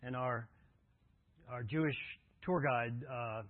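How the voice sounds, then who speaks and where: A man's voice: mid-range voice, slow pace, dry recording. A man preaching a sermon, telling travel stories in a conversational way and then earnestly urging his congregation toward devotion. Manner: conversational storytelling, earnest exhortation. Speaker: pastor. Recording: tinny phone-like audio.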